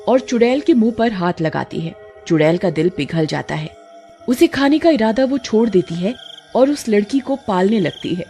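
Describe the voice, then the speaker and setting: A woman narrating a cartoon horror story in a steady, dramatic scripted way. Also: on the high side.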